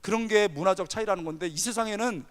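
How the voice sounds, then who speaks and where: A male pastor preaching a sermon, telling a story with animated energy and asking the audience questions. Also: high-pitched, quick pace. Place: large church hall. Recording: long hall reverb.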